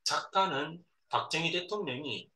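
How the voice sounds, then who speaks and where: A man's voice: fairly high pitch, animated, pushed and bright. A middle-aged man reads a novel aloud to his son. He stops often to explain words simply and acts out the quoted lines. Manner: reads a passage, then pauses to explain words simply to a child. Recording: roomy echo, a bit far from the mic, faint noise.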